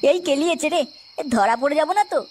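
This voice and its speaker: A woman's voice: high-pitched, animated, fast talker, darkish tone, a little hiss or hum. A woman voicing a sneaky, cowardly young womanizer in a comic cartoon, crude and flustered in manner. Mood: panicked. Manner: crude, flustered, muttering asides. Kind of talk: exaggerated comic cartoon dialogue.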